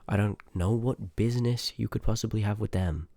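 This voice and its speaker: A man's voice: fairly low pitch, brisk, creaky, dark tone, dry recording. A man voicing a rude, sarcastic, reluctant sorcerer of a haunted house in a scripted ASMR roleplay, grumbling and dismissive, close on the microphone. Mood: sarcastic, weary.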